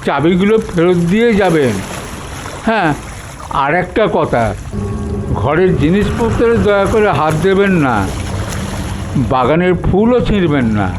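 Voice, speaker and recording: Slow, wary old village gardener acted by a man. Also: high-pitched, big pitch swings, music in the background, exaggerated voice. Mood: obliging, cautious. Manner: deferential, cautioning. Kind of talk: dramatized audio story reading.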